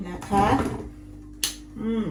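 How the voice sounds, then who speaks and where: A middle-aged woman, a little hoarse from calling, chatting casually to her viewers in a home vlog, friendly and talkative. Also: very slow, music in the background. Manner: chatty, friendly, ends phrases with soft polite particles. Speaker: vlogger.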